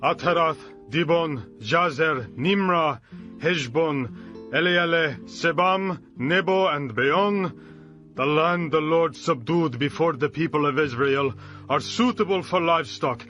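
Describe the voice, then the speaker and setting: A man's voice: on the high side, expressive, unhurried, sharp tone, dull audio, soft background music. An actor playing an earnest tribal herdsman petitioning his leader with deferential declamation in a dramatized audio Bible. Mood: earnest, pleading.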